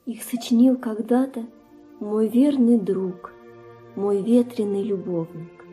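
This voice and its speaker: A woman's voice: a little high, slow pace, faint music behind. A woman playing a proud, passionate young actress, theatrical and capricious, in a classic verse radio drama. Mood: fond. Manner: theatrical, expressive.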